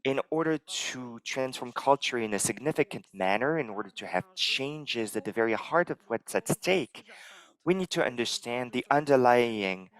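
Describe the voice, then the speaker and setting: A man interpreting a conference talk live into English, measured and halting, pausing as he translates. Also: medium pitch, expressive, poor audio. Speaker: simultaneous interpreter.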